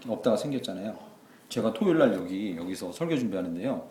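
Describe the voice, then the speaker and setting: A man preaching a sermon as pastor, moving between quiet asides and loud exclamations. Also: on the low side, lively intonation, fast. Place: church sanctuary. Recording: echoey church hall.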